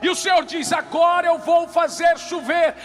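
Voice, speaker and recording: Brazilian male preacher, very high-pitched, impassioned emphatic sermon delivery, repetitive phrasing, music behind the voice. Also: steady tone, moderate pace. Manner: emphatic, declamatory, repeats phrases, often shouting. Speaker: preacher, pastor.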